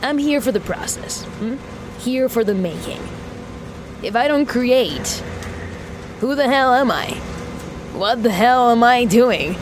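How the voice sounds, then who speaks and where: A woman's voice: on the high side, expressive, takes it slowly, pauses often, background noise. A woman playing a restless, intense, creative rocket builder, musing aloud in a reflective audio drama monologue. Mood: defiant.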